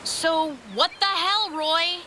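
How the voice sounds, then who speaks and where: A woman's voice: very high voice, fairly even intonation, slow pace, pushed and bright, slight background noise, exaggerated voice, low-quality recording. A woman playing a stunned, demanding young wife who gains superpowers in an audio drama. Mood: insistent. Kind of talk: acted audio fiction dialogue.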